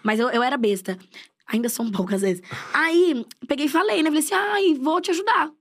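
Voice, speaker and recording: A young woman with a high, quick voice tells a personal story in casual chat. She jumps between narrating and acting out the people in it, keeping a lively storyteller's rhythm. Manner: animated storytelling with quoted voices. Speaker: guest storyteller.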